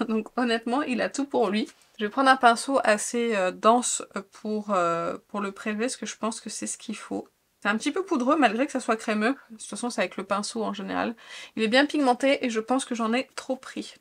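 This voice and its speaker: Enthusiastic woman beauty vlogger. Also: fairly high pitch. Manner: enthusiastic, gushing, soft asides. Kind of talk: casual makeup tutorial.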